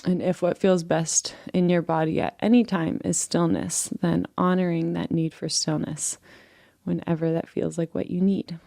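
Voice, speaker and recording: A woman leading a guided relaxation in a gentle, unhurried, permissive manner, as a meditation guide. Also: on the low side, little pitch movement, gravelly, no echo, clean studio sound.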